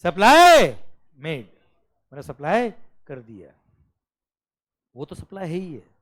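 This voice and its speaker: A man teaching a classroom lecture, often asking his students whether things are clear and mixing English phrases into his speech. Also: high-pitched, takes it slowly. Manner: lively, drills students with repeated questions.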